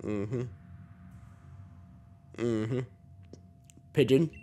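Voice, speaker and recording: Slow-talking man with a sore throat. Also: mid-range voice, warm tone. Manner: rambling, self-deprecating, chuckles often. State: sore throat with a slight cough. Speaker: gaming channel host. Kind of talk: casual let's play commentary.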